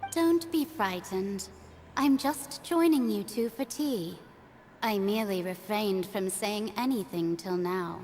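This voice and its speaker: Slow, serene, enigmatic mage played by a woman. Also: medium pitch, background noise, lightly acted. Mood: serene, amused. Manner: measured, poised, cryptic. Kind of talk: video game voice acting.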